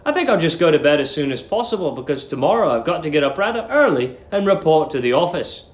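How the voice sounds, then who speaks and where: A man voicing a polite, cheerful and naive young Englishman in a storybook reading, bright and courteous. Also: fairly high pitch, very animated, quick pace, roomy sound. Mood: polite, hurried.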